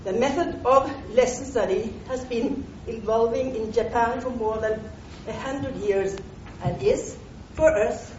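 A fairly high-voiced woman formally introduces a guest speaker, reading from prepared notes. She is heard from a distance in a roomy hall, the sound muffled with faint room noise behind. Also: a little mellow. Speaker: event host introducing the speaker. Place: lecture hall.

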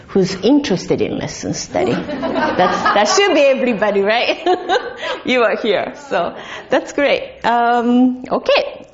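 A woman's voice: fairly high pitch, a little mellow, muffled recording. A woman from Japan, giving a chatty conference talk with many restarts and questions to the audience in a darkened lecture hall. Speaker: guest lecturer.

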